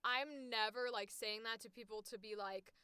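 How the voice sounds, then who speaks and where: A woman who works as a voice actor, chatting casually on a stream in an animated, emphatic, frank way, close to the microphone. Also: fairly high pitch, normal speed, smooth, dry recording. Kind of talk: casual chat.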